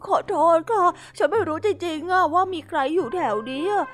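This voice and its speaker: A woman's voice: extremely high pitch, a little slow, a crowd in the background, pitched above the performer's own voice. Woman voicing a tearful young hippo girl. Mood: tearful apology. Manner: apologetic, tearful. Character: shy, clumsy young female hippo. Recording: music underneath.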